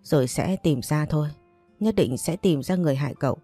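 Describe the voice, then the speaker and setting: A woman reading an audiobook and voicing a young female friend who is protective and quick to anger on her friend's behalf. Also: low-pitched, mellow, husky, no echo, faint music behind. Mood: soothing. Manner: consoling, then outraged.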